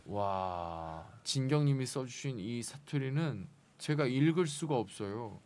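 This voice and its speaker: A man from the Jeolla region hosting a radio talk show in a studio, speaking softly and in a relaxed way. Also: mid-range voice, slow. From South Jeolla or North Jeolla, South Korea. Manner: soft-spoken, relaxed, reads listener messages aloud. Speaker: radio host. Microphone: studio microphone.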